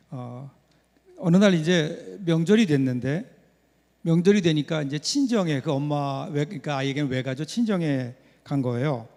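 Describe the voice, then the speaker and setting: A male pastor with a fairly high voice delivers a sermon, telling a story and asking the congregation questions. His voice rings with the long reverb of a church sanctuary. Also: darkish tone.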